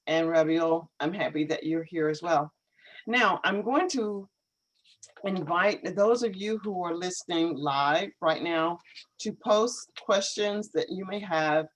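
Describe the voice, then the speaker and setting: Woman teacher on a live call, kinda low voice, slow careful encouraging talk. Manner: careful, encouraging, clearly articulated. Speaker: English teacher hosting a live session. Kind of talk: live online English lesson chat.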